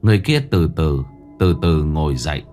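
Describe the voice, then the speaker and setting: Man, ghost story narration, deep voice, lively pitch, husky, faint music behind. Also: moderate pace.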